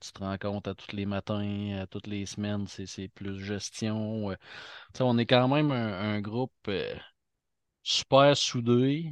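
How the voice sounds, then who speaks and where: Over a quiet background, a man speaks very slowly at a fairly low pitch with fairly even intonation. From Quebec, Abitibi-Témiscamingue. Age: 40s. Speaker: company CEO. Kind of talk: casual interview.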